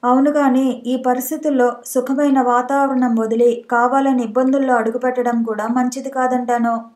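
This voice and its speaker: A woman's voice: high-pitched, little pitch movement, moderate pace, darkish tone, lightly acted. A woman reading the lines of a frank, practical young female friend who reasons things out. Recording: echoey room.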